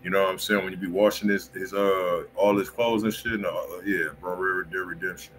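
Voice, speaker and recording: Male American livestream host, low voice, casual and slangy, clear background noise behind him. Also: fairly even intonation, brisk, a bit bright, rough recording. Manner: slangy, peppered with "bro" and filler repeats. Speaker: host of a music review livestream.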